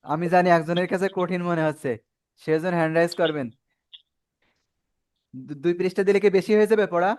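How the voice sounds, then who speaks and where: A man's voice: sits high, steady tone, brisk, pauses often, a little mellow. A man teaching a Quran reading class to children over a video call, patiently prompting pupils and praising their answers. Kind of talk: online class instruction.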